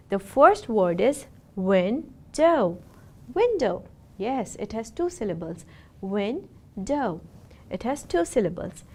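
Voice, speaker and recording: Female teacher, scripted lesson, careful deliberate delivery. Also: medium pitch, warm tone. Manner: slow, careful, sounding out words.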